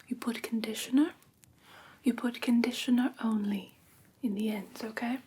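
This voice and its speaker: A woman voicing a gentle female vampire teacher in an ASMR roleplay, whispering softly and patiently in a breathy voice. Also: on the high side, fairly even intonation, normal speed. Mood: gentle, instructive. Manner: soft, patient, instructive, reassuring. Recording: clearly noisy background.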